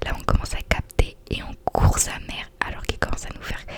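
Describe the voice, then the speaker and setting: A woman whispers at a moderate pace with noticeable background noise around her. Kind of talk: ASMR commentary reading listeners' scary stories, casual chatty tone. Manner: whispered, soft.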